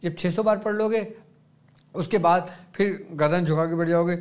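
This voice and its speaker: A man's voice: high-pitched, normal speed. Man teaching with a Pakistani Urdu accent. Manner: patient step-by-step teaching, softly demonstrating chants. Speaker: Sufi spiritual guide. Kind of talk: religious instruction.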